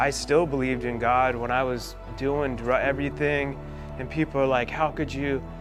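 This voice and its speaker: Music in the background behind a man at medium pitch, fairly even in intonation, at a moderate pace. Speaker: podcast host, author. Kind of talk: interview questions, casual conversation. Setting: studio.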